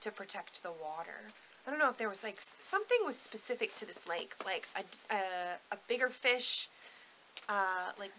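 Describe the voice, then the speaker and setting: A woman speaks at a moderate pace in a bright, sharp tone. There is light background noise. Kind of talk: casual vlog chat. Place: tunnel cave. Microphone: camera far.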